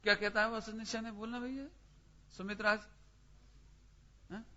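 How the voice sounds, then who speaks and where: A man with a high voice leads a scripture study class. He questions his listeners by name and drives each point home with emphasis. His sharp, piercing tone comes through on a dull lo-fi recording. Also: level tone, brisk. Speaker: religious teacher.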